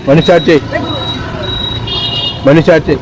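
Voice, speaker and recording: A middle-aged man and father chatting casually in a family vlog, quick and coaxing with his kids. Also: fairly high pitch, fairly even intonation. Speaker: vlogger and father. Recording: noisy outdoor and street recording.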